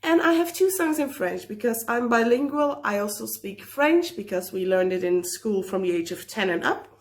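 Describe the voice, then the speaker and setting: Woman, kinda high voice, chatty teacher with lots of ums. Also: animated, moderate pace. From Belgium. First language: Dutch. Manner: friendly, chatty, lots of ums and small laughs. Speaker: teacher, guest creator. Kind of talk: casual video message.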